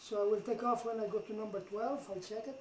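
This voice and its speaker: A man's high-pitched voice at a fairly quick pace, monotone, flat intonation, light background noise and audible room echo. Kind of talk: casual exercise vlog talk. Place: home room. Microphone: camera far.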